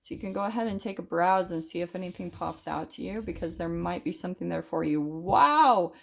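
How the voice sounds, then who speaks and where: A woman's voice: on the low side, steady tone, fast, vocal fry, a little mellow. A woman giving a casual tarot reading straight to her viewers. She talks loosely, with plenty of fillers and the odd casual swear. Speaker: tarot reader.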